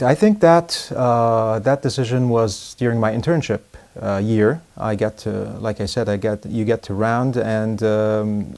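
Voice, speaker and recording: A man in his forties who grew up in Egypt, a urologist answering interview questions in a measured, thoughtful way, often restarting his sentences. He speaks in a quiet room with curtains, on a lapel mic. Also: mid-range voice. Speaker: urologist guest. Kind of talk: interview conversation.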